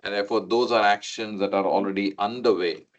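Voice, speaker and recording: A man's voice: fairly low pitch, fairly even intonation, a little fast. A man speaking as a finance executive on an earnings call, methodically setting out his points. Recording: dull, muffled call audio.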